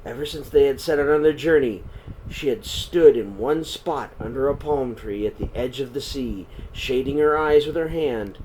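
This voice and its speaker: A man reads aloud to children as a storyteller. His voice sits at a medium pitch and his delivery is dramatic and expressive. There is noticeable noise behind him. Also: moderate pace, poor audio. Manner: dramatic, swinging between hushed and projected. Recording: clear background noise.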